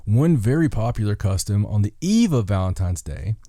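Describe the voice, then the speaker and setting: Male podcast host, low dark voice, dry humor, casual read of folklore lists, very close dry sound. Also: sing-song, moderate pace, dry recording. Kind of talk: reading a list of folklore with casual joking asides.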